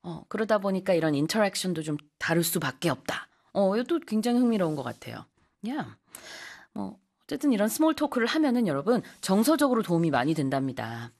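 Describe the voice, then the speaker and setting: A woman hosting a bilingual radio show in a studio. She reads in English, then retells it in rapid Korean. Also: medium pitch, very animated, a little mellow. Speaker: radio host.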